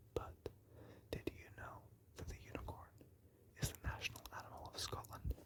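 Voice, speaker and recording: Whispering comes at a fairly quick pace. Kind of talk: ASMR whisper video, random facts talk to camera. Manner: quiet whispering.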